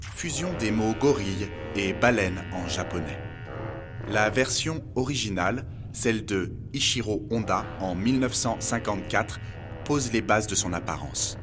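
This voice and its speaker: A male actor as a knowledgeable guide who lays out old myths of humankind. He speaks in a measured, didactic way, as in a documentary audio drama, with music playing clearly behind him. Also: lowish voice, close to an everyday voice.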